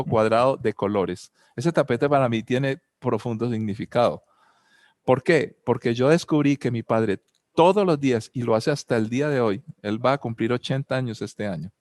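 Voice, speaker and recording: There's no room sound behind this man's mid-range, darkish voice. Speaking with a Colombian accent, he gives a thoughtful talk on family and spirituality, asking lots of rhetorical questions and recounting personal experiences.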